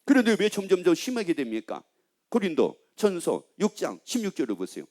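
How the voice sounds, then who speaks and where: A man's voice: high voice, huge pitch swings, brisk, a little mellow. A male pastor preaching a sermon in a church, emphatic and constantly asking the congregation questions.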